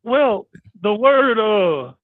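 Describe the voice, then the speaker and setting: A man's voice: sits high, sing-song, extremely slow, dry recording. A man on an online panel, chatting casually and explaining history with many restarts. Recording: tinny phone-line sound.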